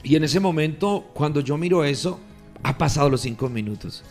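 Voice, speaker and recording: A man, a pastor giving a fervent testimony in a radio interview, often growing loud. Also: on the high side, moderate pace, soft background music. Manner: emphatic, grows loud when retelling. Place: radio studio.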